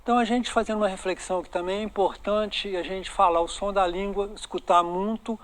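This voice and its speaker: Slow, careful Brazilian English teacher. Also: male voice, sits high, steady tone, fairly bright tone. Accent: Brazilian Portuguese. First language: Portuguese. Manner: reads English lines slowly for pronunciation practice. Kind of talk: online English lesson in Portuguese.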